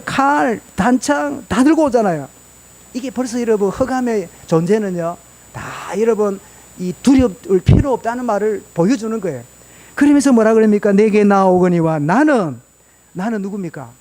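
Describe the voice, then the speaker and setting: A man's voice: high-pitched, warm tone. A male pastor preaching a sermon in church, firing rhetorical questions at the congregation. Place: church sanctuary.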